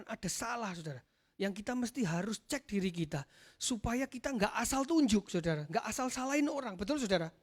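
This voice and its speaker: A male pastor preaching a sermon in a joking, lively way, often calling out to his listeners and swinging between loud and soft. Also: sits high. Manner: joking, addresses listeners as "saudara".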